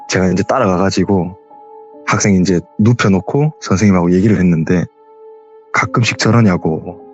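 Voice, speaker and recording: A man's voice: on the low side, highs cut off. A young man with a heavy regional dialect tells a true ghost story as a guest, acting out the quoted voices.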